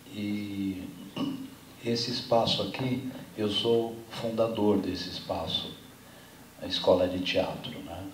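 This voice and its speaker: A man at a medium pitch and a very slow pace, with fairly even intonation and long, frequent pauses, amid noticeable background noise and audible room echo. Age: 70s. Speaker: arts administrator and film technician. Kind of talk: panel discussion. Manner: halting, many fillers.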